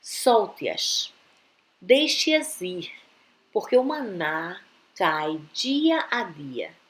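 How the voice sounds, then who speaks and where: Slow, expressive woman reading spiritual teachings. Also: medium pitch.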